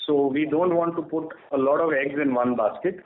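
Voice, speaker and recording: A man with an Indian accent answering questions as a company executive on an earnings call, speaking in a measured, halting way with frequent pauses. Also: fairly high pitch, phone-quality sound. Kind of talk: earnings call Q&A, spontaneous explanation. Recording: echoey, band-limited conference call line.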